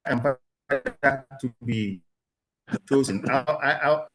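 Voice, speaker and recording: A man's voice: mid-range voice, a bit bright. Guy giving a research talk on a bad video call, audio choppy, endings keep cutting off, medium voice. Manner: halting, restarts words. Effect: choppy breaking-up video call audio with clipped, cut-off endings. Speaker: graduating student presenting research. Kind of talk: academic presentation over a video call.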